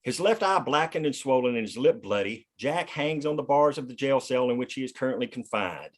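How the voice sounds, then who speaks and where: A man's voice: mid-range voice, animated, fairly quick. A man reading scene headings and stage directions aloud as scripted narration at a table read.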